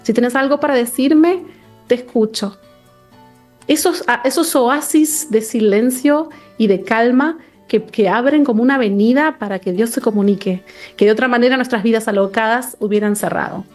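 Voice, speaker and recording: A woman's voice: a little high, moderate pace, a little mellow, soft background music. A woman from Argentina with an Argentine accent, an author guest speaking earnestly and reflectively in a radio interview over a remote line. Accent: Argentine Spanish. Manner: reflective, earnest, repeats words while thinking. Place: home or office in England.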